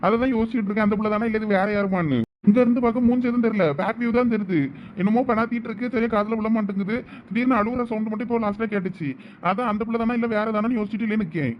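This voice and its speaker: A man's voice: high-pitched, very fast, dull audio, slight background noise, lightly acted. A man playing a senior student, keeping up a nosy running commentary on what he sees. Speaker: senior student in a comedy skit.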